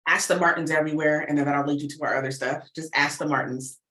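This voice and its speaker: Speaking quickly in a low but bright, forward voice, this podcast guest, an audio fiction writer and producer, keeps things loose and slangy. She's animated, acts out quotes as she goes, and there's an obvious echo from the room.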